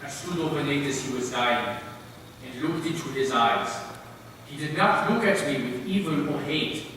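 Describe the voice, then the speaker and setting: A man's voice: mid-range voice, sharp tone, natural voice. A man on stage playing a fierce tribal warrior haunted by killing, declaiming solemnly in a dramatic recital. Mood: bewildered. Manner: slow, solemn, declamatory delivery. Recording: very echoey hall from far off, faint noise.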